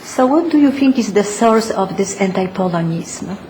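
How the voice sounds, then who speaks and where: A woman interviewer poses questions in a medium-pitched voice. The recording carries a faint layer of noise behind her. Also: lively intonation, moderate pace, warm tone.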